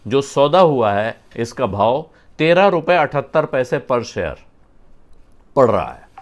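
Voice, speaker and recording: Male business commentator, mid-pitched, chatty and explanatory, often pausing with fillers. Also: smooth. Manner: conversational, explains terms with frequent "uh" pauses.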